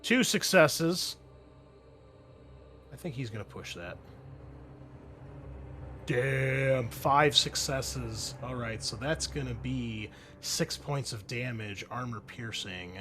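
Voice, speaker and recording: A man narrating a tabletop game as game master, talking to his players in a halting, conversational way. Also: medium pitch, expressive, fairly bright tone, slight background noise. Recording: music behind the voice. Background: background music.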